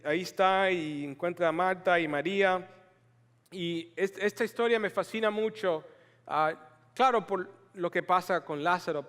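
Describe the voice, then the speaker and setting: Man, pastor, sermon, higher voice, rhetorical questions, long reverb of a church hall. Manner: animated preaching with rhetorical questions, reading scripture aloud.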